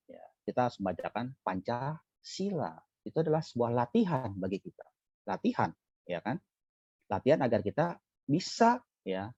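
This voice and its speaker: A man preaching a Buddhist sermon in a relaxed, conversational way, asking and answering his own questions and acting out little scenes. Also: medium pitch, no echo, muffled recording. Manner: acts out little scenes with quick exclamations. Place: temple service streamed live.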